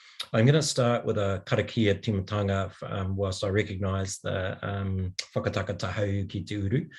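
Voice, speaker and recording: A man's somewhat breathy, fairly low voice at a fairly quick pace with hardly any pauses, fairly even intonation and a quiet background. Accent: New Zealand. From New Zealand, Wellington. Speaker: business founder and speaker. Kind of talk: fireside chat.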